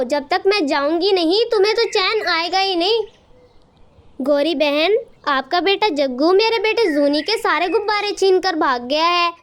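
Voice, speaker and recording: A woman's voice: extremely high pitch, fairly bright tone. A woman voicing a practical, fussy mother bird in a cartoon who lectures her son. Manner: scolding, lecturing.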